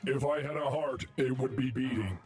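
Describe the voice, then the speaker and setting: A man voicing a hostile robot in a game, with a metallic robotic voice that speaks in flat, clipped commands. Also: medium pitch, normal speed, faint music behind. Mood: cold menace. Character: hostile male robot, cold and menacing. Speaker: in-game character voice.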